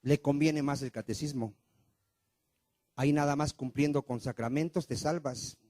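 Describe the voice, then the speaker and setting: A man's voice: medium pitch, fairly even intonation, normal speed, a little mellow, no echo. A man preaching a sermon as pastor of a church, firing rhetorical questions at the congregation and calling for responses.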